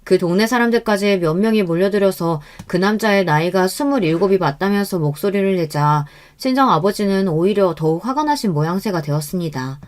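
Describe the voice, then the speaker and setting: A woman tells a first-person story in calm, even scripted narration. Her voice is mid-pitched and steady. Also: fairly quick, few pauses.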